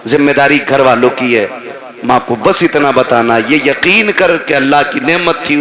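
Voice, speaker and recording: A man closing a religious talk, calm and slow, reciting couplets of farewell. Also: fairly high pitch, low-quality recording. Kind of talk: closing sermon with recited verse. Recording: live gathering with crowd noise.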